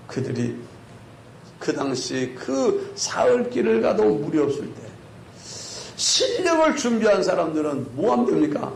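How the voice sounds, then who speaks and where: A male pastor preaching a sermon, telling the story with lively rhetorical questions to the congregation. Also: vocal fry. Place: church sanctuary. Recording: echoey church hall with faint rumble.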